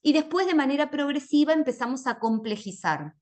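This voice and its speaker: A woman's voice: high voice, lively intonation, brisk, a little mellow. A woman teacher giving a literacy training lecture, speaking carefully and drawing out sounds as she models them. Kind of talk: lecture with phonics demonstrations.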